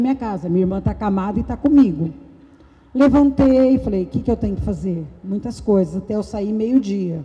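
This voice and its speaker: Her voice is dark and mellow in tone, somewhat breathy, and fairly high in pitch. The woman speaks at a moderate pace with lively intonation. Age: 60s. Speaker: business owner. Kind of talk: panel discussion.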